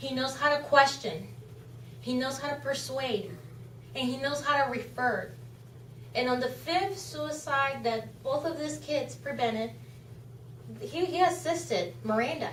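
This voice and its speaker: A woman with long, frequent pauses and audible room echo. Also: fairly slow pace. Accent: Spanish. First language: Spanish. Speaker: charity founder, speaker. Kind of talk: presentation to a club.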